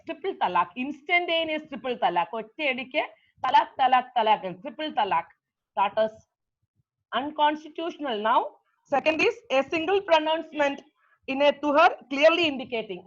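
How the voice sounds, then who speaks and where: Female law lecturer, high-pitched, unhurried, explanatory, dull recording. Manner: explanatory, repeats key terms, slow deliberate English phrases. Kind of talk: law lecture mixing English and Malayalam.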